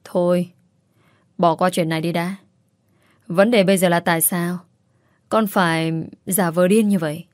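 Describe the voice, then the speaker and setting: A domineering mother-in-law who nags and insists on getting her way, voiced by a woman. The voice sits fairly low, and the recording is dry and close. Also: fairly even intonation, a little slow, long pauses, dry recording, lightly acted. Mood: worried. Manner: nagging, insistent. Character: domineering older mother-in-law, stubborn and shrill.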